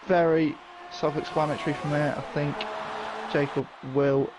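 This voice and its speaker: A man's voice: a little high, level tone, moderate pace. A man calling a live online race as lead commentator, exclaiming at the action. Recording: noisy stream audio.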